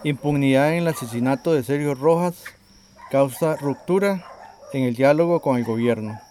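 Mellow-voiced radio reporter man. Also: mid-range voice, normal speed, slight background noise. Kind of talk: read news report and interviewing.

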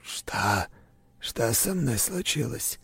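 Brief: man playing a weak, irritable old father, slow and hoarse. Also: medium pitch, very animated, a bit bright, voice pushed up, exaggerated voice. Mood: strained. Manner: hoarse, strained, commanding. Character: older father, weak from a coma, quick to anger. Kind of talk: audiobook character voice.

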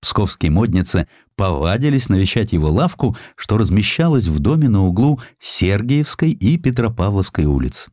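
A man narrating a historical sketch as a scripted audiobook, with theatrical, expressive delivery. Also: fairly low pitch, normal speed, hardly any pauses, dry recording, studio quality.

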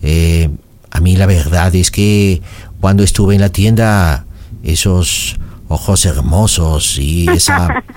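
A man playing a flowery, courtly French suitor in his forties on a prank call. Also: low-pitched. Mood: romantic. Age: 40s. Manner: flowery, courtly, slow romantic flattery. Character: smooth-talking French suitor man, middle-aged.

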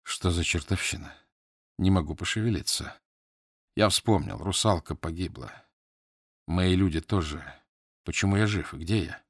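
A male reader voicing a wounded captive English lord, speaking hoarsely, slowly and wearily in a low voice. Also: no echo, clean studio sound. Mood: weary.

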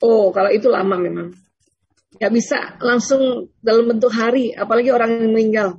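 A woman giving a conversational religious lecture in style, gently reassuring and acting out little dialogues as she answers questions. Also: a little high, fairly even intonation, normal speed, slightly rough, no room sound, highs cut off. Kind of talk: Islamic lecture with Q&A.

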